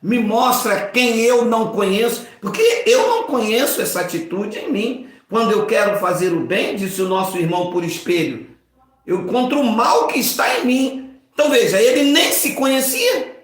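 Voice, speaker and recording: A man's voice: sits high, normal speed. A man in his fifties preaching an informal sermon, acting out voices and jokes. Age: 50s. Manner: animated, acts out voices and jokes. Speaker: pastor. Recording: very echoey room.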